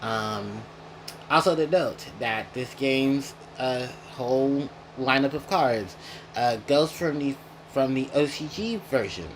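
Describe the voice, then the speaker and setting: A man's voice: medium pitch, animated, takes it slowly, slight background noise, rough recording. A man hosting a casual gaming retrospective, rambling and correcting himself as he goes, chewing while he talks. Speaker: gaming video host.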